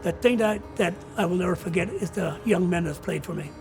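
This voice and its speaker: An older man, a retiring coach, giving earnest, reflective interview answers in a deliberate way with pauses. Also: high voice, gravelly, a little mellow, faint music behind. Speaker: retiring college soccer coach.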